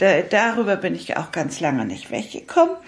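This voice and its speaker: A woman's medium-pitched voice with vocal fry. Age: 70s. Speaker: grandmother, former church youth worker. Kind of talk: interview.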